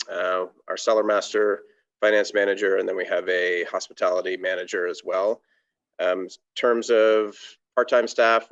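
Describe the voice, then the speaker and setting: A man on a video call webinar panel, describing his small winery team in a relaxed way with fillers. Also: on the low side. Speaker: panelist, winery sales director. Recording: dull lo-fi audio.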